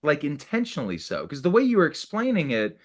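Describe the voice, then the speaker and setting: Animated, swearing podcast co-host guy. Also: fairly high pitch. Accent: slight New England-tinged, not Southern. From Atlanta suburbs, Georgia, USA. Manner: excitable, swearing, quick to laugh, animated storytelling. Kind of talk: casual chat.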